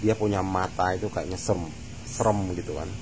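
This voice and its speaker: A man with a low voice presents an informal tips vlog. He talks haltingly and often repeats his phrases. Loud ambient noise, with vehicles and animals, runs behind him. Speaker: bird keeper and video host. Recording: very noisy, traffic and animal sounds.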